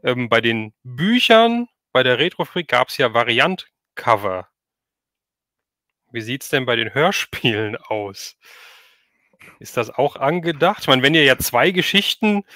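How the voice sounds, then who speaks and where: Hessian german guy hosting a stream, mid pitch, really dry sound, just chatting casually. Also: bright, forceful tone, no echo. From Hesse, Germany. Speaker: livestream host. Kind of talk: casual livestream chat.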